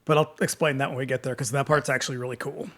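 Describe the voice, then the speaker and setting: A man's voice: medium pitch, steady tone, fast talker, fairly bright tone. A man co-hosting a podcast, chatting casually about a film, quoting his notes and interviews, swearing and laughing often. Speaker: podcast co-host.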